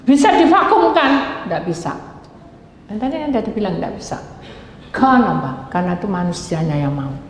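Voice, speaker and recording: A woman pastor preaching a lively sermon full of stories and acted-out quotes. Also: lowish voice, normal speed, long pauses. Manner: animated, switches into acted quotes and dialect asides. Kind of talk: sermon with storytelling. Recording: echoey hall with faint noise.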